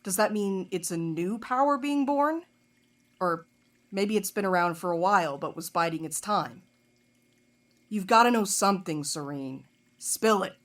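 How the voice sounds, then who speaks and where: A woman's voice: medium pitch, a little slow, close to an everyday voice. Woman playing a blunt, impatient investigator. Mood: insistent. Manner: curt, sardonic, insistent. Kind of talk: audio drama acting.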